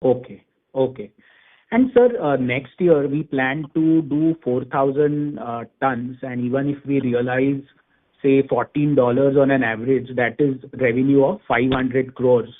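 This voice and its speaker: A man's voice: medium pitch, unhurried. A man calling in as an analyst to put questions on an earnings call. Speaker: analyst caller asking questions. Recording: narrow tinny phone line.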